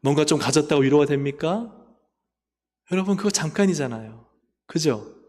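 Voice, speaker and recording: A man preaching a sermon as pastor, impassioned, swinging from loud high cries down to near whispers. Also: lively intonation, moderate pace, long reverb tail. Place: church sanctuary.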